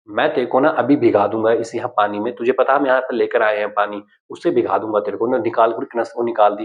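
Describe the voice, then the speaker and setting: A man retelling a horror story in a rambling way, dropping his voice low for the speakers he quotes. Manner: rambling, acts out dialogue in a lowered voice. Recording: dull lo-fi recording.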